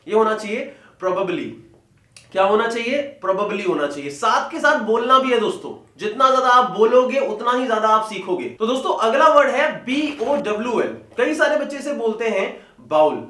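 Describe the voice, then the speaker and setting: A man teaching as an English teacher, spelling out words and repeating them slowly, asking and answering his own questions. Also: high voice, a bit bright, roomy sound. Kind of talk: spoken language lesson.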